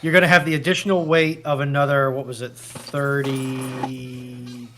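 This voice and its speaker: Guy on a history panel, average pitch, thinks out loud through technical detail, bit of background noise. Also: flat delivery, measured pace. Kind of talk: technical discussion of naval history.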